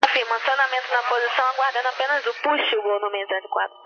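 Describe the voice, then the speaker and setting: A man with a Brazilian accent giving procedural, clipped clearances as an air traffic controller over radio. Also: very high voice, quick pace, bright, forceful tone. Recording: muffled air traffic radio, faint noise.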